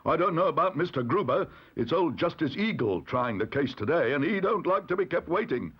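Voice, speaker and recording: A brusque, plain-spoken court usher, put on by a man reading a storybook. He sounds high, loud and husky. The recording is dull and lo-fi. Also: animated, fairly quick. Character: brusque working-class male court usher.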